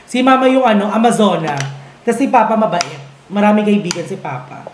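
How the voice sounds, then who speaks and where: A woman's voice: mid-range voice, lively intonation, a little fast, darkish tone. A woman with a mid-range voice co-hosts a casual podcast conversation. She is chatty and reacts with slang and short replies. The sound is roomy with a faint noise floor. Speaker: podcast co-host.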